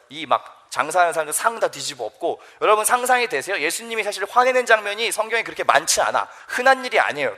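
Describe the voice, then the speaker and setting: A young youth pastor delivers a sermon to teenagers, telling stories with lively energy and putting questions to them. His voice sits high.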